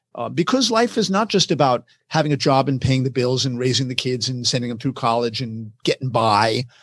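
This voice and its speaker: A plain, everyday voice from a man of medium pitch, with ordinary pitch variation, a fairly quick pace and hardly any pauses, on a very clean recording with a silent background. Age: 60s. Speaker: author. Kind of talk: interview.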